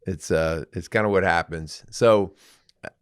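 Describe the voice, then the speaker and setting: A middle-aged man co-hosting a podcast, telling stories in a relaxed, easygoing way with plenty of fillers. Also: low-pitched, a little slow, smooth, dry recording, studio quality. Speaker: podcast co-host. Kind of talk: casual chat.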